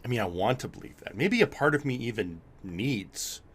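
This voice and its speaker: A man hosting and commentating on a wrestling show, speaking haltingly and often repeating his words. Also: medium pitch, expressive, breathy edge. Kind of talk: live sports-entertainment commentary.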